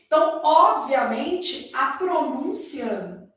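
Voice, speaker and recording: A woman with a high-pitched, fairly bright voice and lively intonation speaks slowly as she teaches grammar to exam candidates in a Brazilian Portuguese accent. Her didactic lecture is full of rhetorical questions to the class. It was recorded in an echoey room, with her voice far from the microphone.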